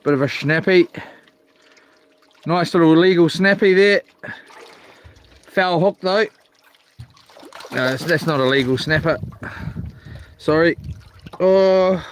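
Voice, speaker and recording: Male livestreamer, broad Kiwi accent, fairly high-set voice, easygoing slangy chat, recorded outdoors on a small boat with some background noise. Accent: New Zealand. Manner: laid-back, slangy, talking to himself and viewers. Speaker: fishing livestreamer. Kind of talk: casual rambling livestream chat. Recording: noisy outdoor boat recording, water and clicks.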